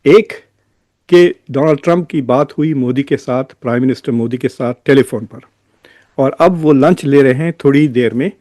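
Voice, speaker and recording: Mellow Indian man hosting political commentary. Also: mid-range voice, moderate pace, no room sound. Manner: code-switches between Hindi and English. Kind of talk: informal news commentary to viewers.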